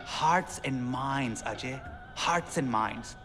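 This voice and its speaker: Excitable bright-voiced South Asian radio DJ. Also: male voice, mid-range voice, slow. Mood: earnest, fired up. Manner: theatrical, slangy, rambling. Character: excitable, chatty young male rebel radio DJ. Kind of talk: game cutscene acting with radio patter. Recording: music behind, long reverb.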